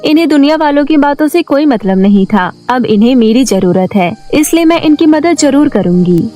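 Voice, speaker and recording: Woman acting a devoted mother, high voice, caring, firm, forgiving, cartoon moral drama, music underneath. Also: lively intonation, normal speed, dark tone. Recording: music bed behind the voice.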